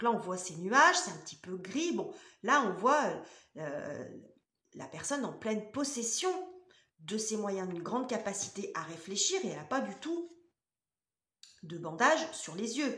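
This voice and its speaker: A woman's pitch swings very widely, broken by long, frequent pauses. Audible room echo fills the recording. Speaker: tarot reader. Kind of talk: tarot reading monologue. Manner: halting.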